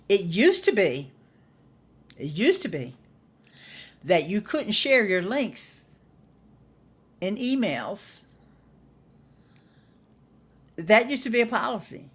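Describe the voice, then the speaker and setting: A middle-aged woman chatting casually to livestream viewers as host, folksy and playful, leaning on words for emphasis. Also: on the low side. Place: small indoor home studio. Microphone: desktop microphone close by.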